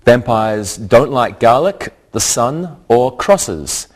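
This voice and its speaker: A man's voice: mid-range voice, lively intonation, slow pace. A man hosting a scripted English lesson, speaking carefully and repeating words for learners. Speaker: English teacher and host.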